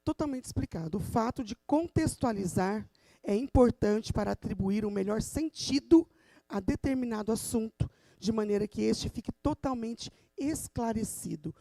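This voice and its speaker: A woman with a hoarse, low voice, a teacher giving an emphatic church talk in Brazilian Portuguese. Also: moderate pace, dark tone, no echo. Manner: emphatic, teacherly, addresses the audience.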